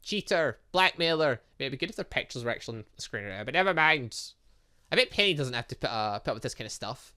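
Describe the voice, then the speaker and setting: A man's voice: mid-range voice, fast. A man hosting a gaming video, reading visual novel dialogue aloud with casual asides, stumbling over words and correcting himself. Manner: animated, exclaims and reacts playfully.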